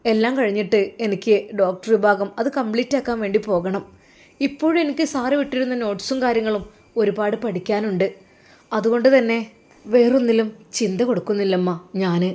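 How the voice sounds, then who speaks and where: A woman's voice: medium pitch, a little mellow, lightly acted. A woman voicing a grieving but resolute young Muslim woman in a spoken story, earnest and pleading. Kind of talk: storybook voice acting.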